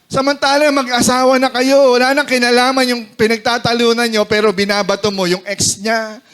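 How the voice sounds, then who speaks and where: A young man with a Filipino accent preaches to his congregation, switching between Tagalog and English. His voice sits noticeably high for a man. He keeps asking the room to agree with him. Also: level tone, brisk, fairly bright tone, clean tone. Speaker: pastor. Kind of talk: sermon.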